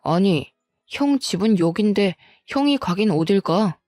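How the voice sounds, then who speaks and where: A woman voicing a calm, loyal young brother-in-law in a story narration. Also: medium pitch, a little slow, dry recording, soft background music, lightly acted. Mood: firm.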